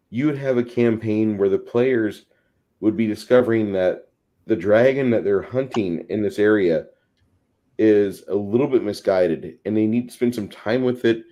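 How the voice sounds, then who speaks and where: Mellow, low-voiced man explaining things. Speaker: tabletop gaming discussion panelist. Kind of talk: casual panel discussion.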